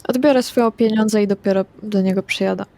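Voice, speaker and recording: A woman's voice: medium pitch, fairly even intonation, brisk, warm tone, no echo. A woman playing a tabletop role-playing game, casually speaking in character and describing her actions. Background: music.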